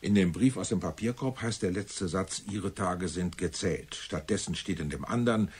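An actor playing a seasoned police commissioner in a German radio play, businesslike but considerate, with measured questioning. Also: male voice, low voice, slightly rough. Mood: matter-of-fact.

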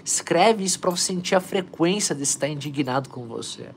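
Reading out viewer comments and urging people on with energy, a male coach runs a motivational live stream. His voice is a little high and fairly quick, with lively intonation, and there's a faint hiss or hum.

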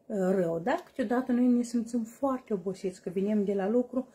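Chatty woman with a mellow voice. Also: medium pitch. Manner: chatty, asks herself questions aloud and answers them. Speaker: home cooking channel host. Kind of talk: casual kitchen demonstration.

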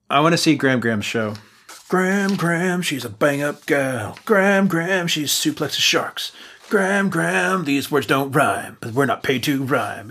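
A man's voice: mid-range voice, a bit bright. A man playing a tabletop game, riffing jokes with old-fashioned slang words. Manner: playful, riffs in old-timey slang. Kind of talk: riffing banter at a recording session.

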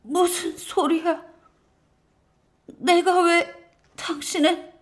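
A man voicing a dying young wife in an audiobook drama, speaking faintly in a high, breathy, pained voice. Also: fairly even intonation, drawn-out words, fairly bright tone, exaggerated voice. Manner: faint, broken speech.

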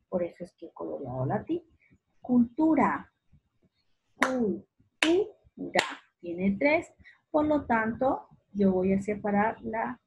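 A woman teaching a remote lesson to young children, slowly stretching out words syllable by syllable and speaking affectionately to the child. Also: on the high side, creaky, warm tone, slightly rough, lo-fi sound. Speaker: primary school teacher.

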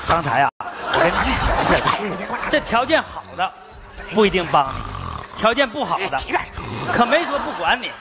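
Earnest, high-voiced loyal friend. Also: male voice, very animated, measured pace, long pauses, over loud music, over a noisy crowd. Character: earnest loyal male friend, warm-hearted. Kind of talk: stage comedy sketch acting. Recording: very noisy theatre stage recording.

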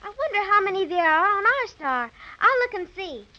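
A woman's voice: very high voice, big pitch swings, moderate pace, noisy background. A woman playing Judy, an eager, curious and polite young girl, with a wide-eyed childlike delivery. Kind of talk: 1930s radio drama acting. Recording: dull lo-fi 1930s transcription.

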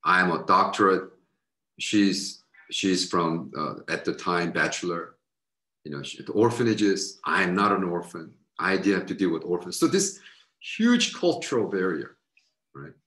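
A middle-aged man, a missionary, giving a frank recorded slide lecture from a room on his webcam, repeating words and jumping up in pitch for quoted voices. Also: expressive, unhurried, pushed and bright, reverberant. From United States.

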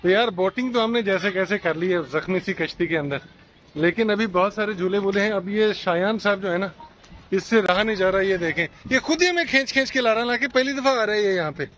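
A young father, vlogging at a lakeside outdoor amusement park, encourages his child along in a playful, casual way. His voice is high and fairly bright, and he talks a little fast. The recording is muffled, with outdoor noise.

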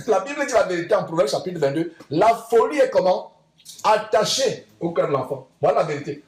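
A man with a high voice preaches emphatically to his congregation, repeating lines and asking rhetorical questions. The sound is echoey, as in a church hall. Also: very animated, a little fast. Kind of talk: sermon.

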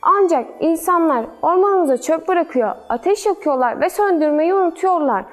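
A woman's voice: extremely high pitch, lively intonation, normal speed. A woman voicing a kind, worried black deer in a storybook tale, speaking in an earnest, explaining way.

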